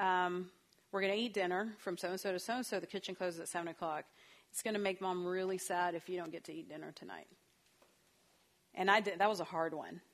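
Chatty woman counselor telling a parenting story. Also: on the low side. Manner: conversational, storytelling, with fillers and asides. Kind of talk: parenting talk with personal anecdotes.

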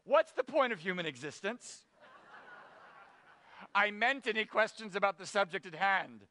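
Calvin: a man putting on a shrill whiny boy. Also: expressive, moderate pace, sharp tone. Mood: earnest. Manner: whiny, outraged. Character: excitable young boy, dramatic and whiny.

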